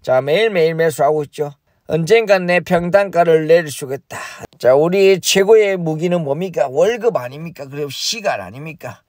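A man's voice: fairly high pitch, normal speed, a little mellow, no room sound, clean studio sound. A man hosting a comic stock vlog, groaning and complaining in an exaggerated way. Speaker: stock investing YouTuber.

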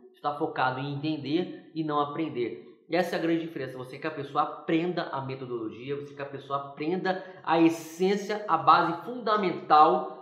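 A man's voice: on the high side, fairly bright tone, reverberant. A male TV interviewer who chats easily and sums up his guest's points. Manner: chatty, summarizes the guest's points. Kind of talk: interview talk.

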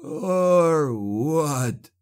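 A man's voice: fairly high pitch, expressive, drawn-out words, pitched above the performer's own voice. A man doing a caged, wheezing old sorcerer. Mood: defiant. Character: broken old male sorcerer, caged, mocking then fawning.

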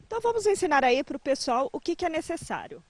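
A woman's voice: sits high, sing-song, fast talker, a little mellow. A woman in her thirties from Brazil, a field reporter cheerfully hosting a gardening segment outdoors, holding a handheld mic. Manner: cheerful, addresses viewers directly.

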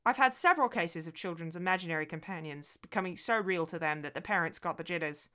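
A woman's voice: on the low side, sharp tone. Woman reading as a reassuring old family doctor. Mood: calm, reassuring. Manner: measured, explanatory, reassuring. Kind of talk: audiobook character voice.

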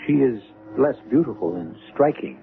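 A man narrating an old-time radio mystery drama as its host, in a theatrical, deliberate way. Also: mid-range voice, lively intonation, creaky, slight background noise. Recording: muffled, lo-fi old radio broadcast. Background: music.

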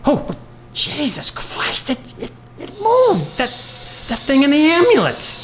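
A woman's voice: high voice, wildly swooping pitch, unhurried, a little hiss or hum, heavily acted. A woman acting a bitter, wisecracking retired male jazz musician in a live noir audio play, talking in hep-cat slang. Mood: terrified. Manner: hep-cat slang, sardonic, stammers when rattled. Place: live on stage in a club.

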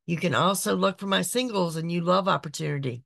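A woman, hosting a psychic podcast, her voice raspy from being sick, chatty and repetitive. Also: lowish voice, a little fast, a bit bright, dry recording, clean studio sound. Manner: chatty, repeats phrases, frequent "okay". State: raspy voice from illness. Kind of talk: casual monthly horoscope reading. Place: small decorated home room.

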